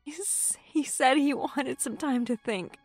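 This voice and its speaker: A woman's voice: high voice, unhurried, dry recording, faint music behind. An actress playing an anxious, earnest young woman in an audio drama.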